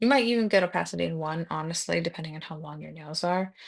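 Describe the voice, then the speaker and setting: A woman speaks quietly at a fairly low pitch. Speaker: nail polish reviewer. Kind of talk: product review.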